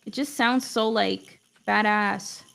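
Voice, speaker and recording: Chatty young woman with vocal fry. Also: medium pitch, steady tone, slow pace, fairly bright tone. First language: not English. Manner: chatty, rambling, heavy use of "like". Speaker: art teacher streaming live. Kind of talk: casual livestream chat while drawing.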